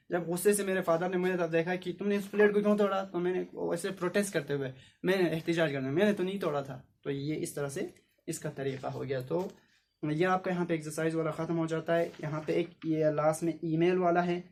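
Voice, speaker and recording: A male teacher giving a classroom English lesson, explaining in Hindi and reading English example sentences slowly. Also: on the high side, a little mellow. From Ladakh, India.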